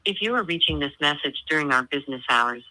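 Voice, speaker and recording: This is a recorded phone message played on a speakerphone. A man reads customer-care menu options in a polite, scripted, evenly paced way. His tone is very bright and forward, and the tinny phone line gives it a thin, narrow sound. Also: on the high side, quick pace, no echo. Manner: polite, even, announcing.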